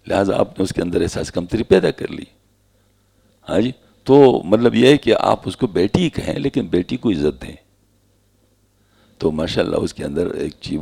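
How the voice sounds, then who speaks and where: A man, fairly low-pitched and gravelly, with a dark, mellow tone. He gives parenting advice in a patient, explanatory way, posing rhetorical questions and answering them himself. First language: Pashto. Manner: explains with homely examples. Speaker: speaker giving parenting advice. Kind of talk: explanatory talk.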